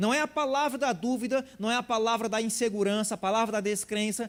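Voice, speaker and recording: Extremely high in pitch, a man speaks in a northeastern Brazilian accent. The recording is very clean, its background silent. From Ceará, Brazilian Northeast. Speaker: preacher. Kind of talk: sermon. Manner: deliberately slowed pace.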